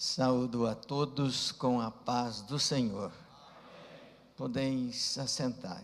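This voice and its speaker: A man speaks at a very slow pace with long, frequent pauses. His medium pitch keeps to fairly even intonation. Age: 70s. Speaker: pastor. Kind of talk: sermon.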